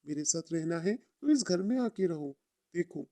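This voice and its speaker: A woman's voice: lowish voice, animated, measured pace, mellow, no echo, voice pushed down. A woman voicing a poor but proud young man in love, speaking plainly and sincerely in a story. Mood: firm reproach.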